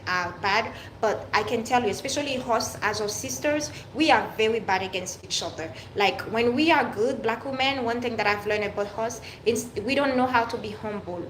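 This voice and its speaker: A woman's voice: on the high side, a little fast, hardly any pauses, a little hiss or hum. Emphatic Haitian-French-accented woman, echoey room. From Haiti, raised in France. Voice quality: emphatic, repetitive, with frequent restarts. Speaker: vlogger. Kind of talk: unscripted personal monologue.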